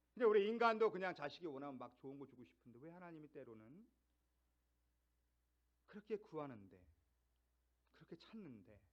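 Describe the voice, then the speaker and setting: A man's voice: fairly high pitch, highs cut off. A middle-aged male pastor preaching a sermon, building his points through strings of rhetorical questions and climbing to emphatic peaks.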